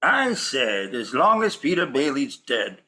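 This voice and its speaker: A man playing a cold, miserly old banker in a radio play, rough-voiced, pompous and scornful. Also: medium pitch, big pitch swings, unhurried, sharp tone, exaggerated voice. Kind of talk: stage radio play acting.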